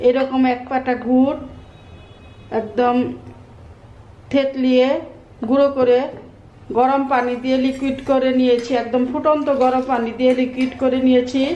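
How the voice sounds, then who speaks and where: A woman speaks at a high pitch with monotone, flat intonation. Audible room echo surrounds her voice. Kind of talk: cooking tutorial. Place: home room. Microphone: phone near.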